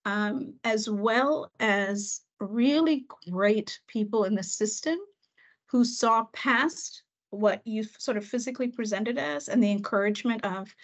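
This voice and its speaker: A woman school administrator telling her story in a panel discussion, reflective and unhurried with occasional fillers. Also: mid-range voice. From Canada. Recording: muffled, lo-fi audio.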